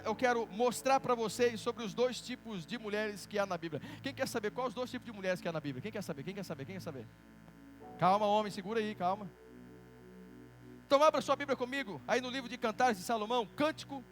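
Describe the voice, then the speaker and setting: A man preaching a sermon in church with a Brazilian accent, animated and teasing as he calls on the congregation to answer back. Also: high voice. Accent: Brazilian Portuguese. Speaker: pastor.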